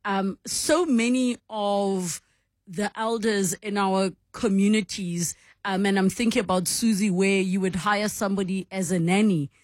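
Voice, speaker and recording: A woman hosting a talk radio show, conversational and warm. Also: medium pitch, steady tone, measured pace, dry recording, clean studio sound. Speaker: radio host. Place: radio studio.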